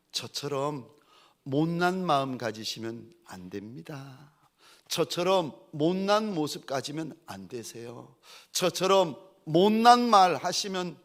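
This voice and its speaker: A middle-aged man preaching as a pastor, telling a story with sudden swings from loud cries to near whispers. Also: a little high. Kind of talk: sermon.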